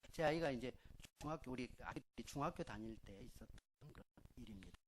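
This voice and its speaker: A middle-aged man preaching a Sunday sermon as pastor, with loud stresses that drop to soft endings. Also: medium pitch, lively intonation, quick pace, a little hiss or hum. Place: church sanctuary.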